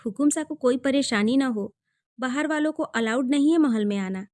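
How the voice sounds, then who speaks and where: A woman's voice: high voice, moderate pace, darkish tone, no echo, close to an everyday voice. A woman voicing a polite, modest young female doctor in a storybook reading.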